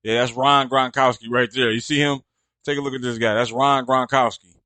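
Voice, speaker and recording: A man's voice: mid-range voice, steady tone, fairly quick, sharp tone, dry recording. A man hosting a podcast, delivering a casual, profane, mocking rant full of exasperation. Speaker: podcast host. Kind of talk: casual ranting commentary.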